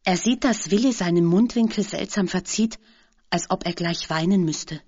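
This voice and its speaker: A woman reading a children's story aloud as narrator, in a calm storytelling manner. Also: fairly low pitch, moderate pace, husky, lo-fi sound.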